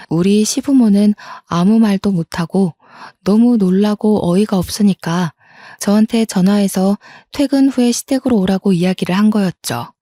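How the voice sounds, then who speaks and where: Woman storyteller, chatty first-person retelling, mellow tone, dry close sound. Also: mid-range voice, no echo.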